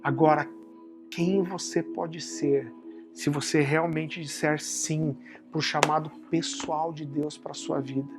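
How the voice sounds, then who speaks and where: A man with a Brazilian Portuguese accent preaching a sermon, telling warm family stories that he turns to a solemn point, often calling his listeners brother. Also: steady tone, slow, music in the background. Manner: drops low and soft for solemn points. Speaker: pastor.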